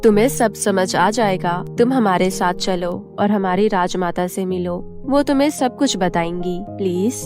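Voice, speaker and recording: A woman voicing a gentle young fairy, earnest and coaxing, in a cartoon storybook. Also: medium pitch, a little slow, hardly any pauses, music in the background, voice pushed down, close to an everyday voice.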